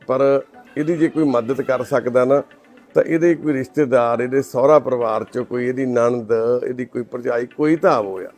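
A man with a Punjabi accent, a charity volunteer making a soft, pleading appeal to the camera. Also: medium pitch, normal speed, soft background music.

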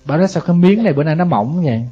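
A woman's voice: low-pitched, lively intonation, very fast, breathy edge. A monk quoting a greedy, dying eighty-year-old woman who clutches her gold, speaking in a suspicious, querying way. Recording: dull lo-fi audio, faint music behind.

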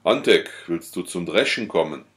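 A man's voice: low-pitched, lively intonation, moderate pace, fairly bright tone. A man voicing a meek, put-upon peasant neighbor who talks in an obliging, eager way, in an audiobook.

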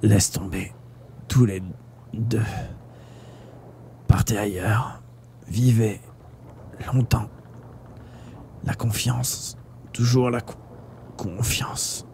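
A dying young man, calm and gentle, his low, faint words come out as breathy, halting whispers, as a man reading aloud puts him on. The voice is dark and mellow, sinking lower as it fades. A storybook deathbed scene. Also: a little hiss or hum, close to an everyday voice. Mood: fading. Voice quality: weak breathy murmur.

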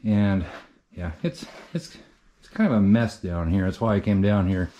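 His voice is lowish and dark in tone, with lively intonation at a normal speed, plus a little hiss or hum. He's a middle-aged vlogger and farm shop owner from central Iowa, rambling plainly through a walk-around update of his winter farmyard, and also inside a shop, on an action camera.

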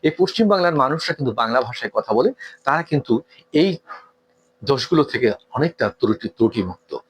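A man from Bangladesh, giving an earnest, lecturing talk on etiquette, asking rhetorical questions and pausing with frequent hesitations. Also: medium pitch, expressive, husky. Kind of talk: didactic talk.

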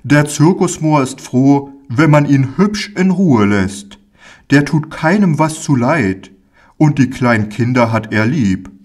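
A man voicing a kind, friendly older man in a storybook reading, speaking gently with a tinged manner. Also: mid-range voice, animated, takes it slowly, pitched above the performer's own voice. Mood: kind, coaxing. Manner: gentle, warmly admonishing.

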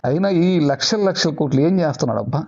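A man's voice: fairly high pitch, fast, darkish tone. A man with a Prakasam district Telugu accent, complaining heatedly and repeating himself on a landline phone call. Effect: heard over a landline phone. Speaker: caller. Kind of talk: casual phone conversation. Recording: muffled phone line.

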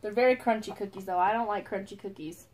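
A young woman from the United States chatting casually while unboxing snacks, giggly and animated. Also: medium pitch, fast. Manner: giggly, animated, often laughing. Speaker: vlogger reviewing snacks. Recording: faint background noise.

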